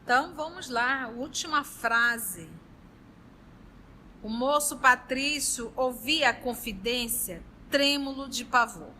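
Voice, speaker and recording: A woman leading a study group, chatting warmly and then reading a novel aloud. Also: on the high side, slow, slight background noise. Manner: warm, chatty and lively between passages.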